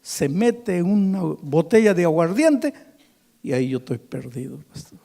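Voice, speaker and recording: A male preacher voicing a tearful drunk man who pleads and begs in a quiet, shaky voice. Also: a little high, big pitch swings, normal speed, gravelly, long reverb tail, pitched above the performer's own voice. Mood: anguished. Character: weeping drunk man begging for punishment.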